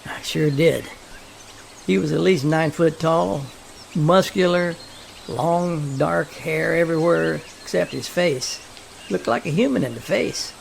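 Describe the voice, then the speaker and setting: A very gravelly, fairly high male voice over faint outdoor nature sounds. It is a man acting as a young outdoorsman in an audio drama, folksy and wry, talking like someone still a bit shaken. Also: unhurried, a little hiss or hum. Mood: wry, rattled. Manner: wry, folksy, plain-spoken. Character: young outdoorsman captain, shaken but wryly humorous.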